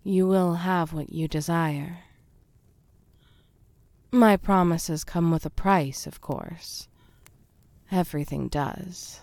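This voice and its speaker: A woman voicing a domineering, possessive fae queen, speaking in breathy whispers and giving commands. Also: lowish voice, slow, pauses often, a little mellow, no echo. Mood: seductive, menacing. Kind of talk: audio roleplay.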